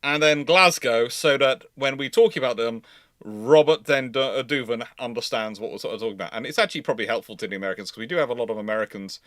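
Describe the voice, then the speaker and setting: A man's voice: mid-range voice, fast talker, a bit bright, dry recording, studio quality. A man hosting a casual live stream, chatting with co-hosts and varying between emphatic delivery and mumbled asides. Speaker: live stream host of a naval history channel.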